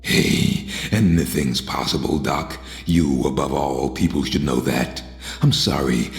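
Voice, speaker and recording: A hardened, sardonic antihero for a video game. His gruff voice sits very low and taunts in plain, streetwise phrases. The sound carries hall reverb. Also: a little slow, faint music behind, exaggerated voice. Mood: menacing scorn. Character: gruff, tough, cynical male antihero with shadow powers. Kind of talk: video game drama acting.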